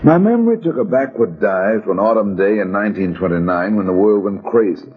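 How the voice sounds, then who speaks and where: Cool private eye, wry and clipped, played by a man, lowish voice, old-radio dullness, faint music. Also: animated, brisk, close to an everyday voice. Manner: clipped first-person narration. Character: hard-boiled male private detective, wry, cool. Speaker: private detective narrator. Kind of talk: 1950s radio drama acting. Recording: dull old radio broadcast.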